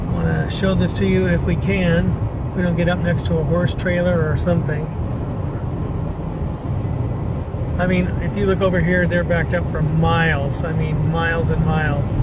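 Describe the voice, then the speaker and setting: Against loud background noise, a man speaks at a moderate pace with long, frequent pauses. The sound is dry, with no echo. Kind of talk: casual travel narration. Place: car. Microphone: phone near.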